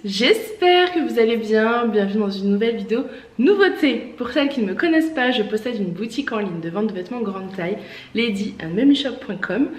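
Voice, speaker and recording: An online clothing shop owner films a casual try-on vlog indoors in front of a mirror, speaking in a higher-pitched voice that echoes around the room. Her voice sounds congested from a lingering cough, and she chats with plenty of fillers, praising the outfits eagerly.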